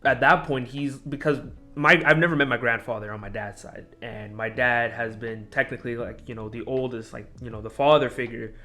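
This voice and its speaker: A young man talks as a podcast guest, sitting in the middle of the male range. His telling is halting and disjointed, doubling back over his words. A faint music bed runs underneath. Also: mid-range voice, steady tone, pushed and bright. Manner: halting, disjointed storytelling with many restarts. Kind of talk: casual conversation.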